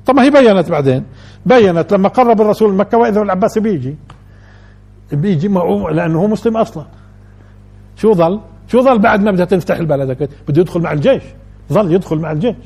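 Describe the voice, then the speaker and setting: A man gives a colloquial lesson on scripture, talking quickly in a fairly high, husky voice. He keeps turning to his listeners with rhetorical questions. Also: animated, mellow. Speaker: religious teacher.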